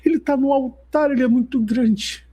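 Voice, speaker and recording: A man's voice: very high voice, normal speed, warm tone, slightly rough, voice pushed up. A man voicing a young woman worshipper who cries out in awe and repeats herself frantically. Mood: awestruck, frantic.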